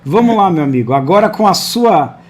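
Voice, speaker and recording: A man's voice: sits high, lively intonation, a little fast. Friendly male host on a video call. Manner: friendly, chatty, asks viewers to engage. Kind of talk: live online interview.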